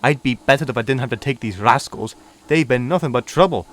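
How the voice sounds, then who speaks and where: Young girl engine, voiced by a guy, higher and soft, kinda halting and unsure. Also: noisy background, lightly acted. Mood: sharp. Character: young female tank engine, proud and sensitive.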